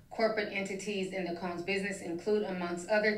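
A woman's flat, monotone delivery at a fairly quick pace, with audible room echo. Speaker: reaction commentator. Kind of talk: reading document aloud with commentary. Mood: shocked, wry asides. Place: home room.

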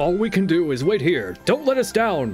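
Over clear music in the background, a man does a put-on character voice with high pitch at a moderate pace. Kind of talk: podcaster.

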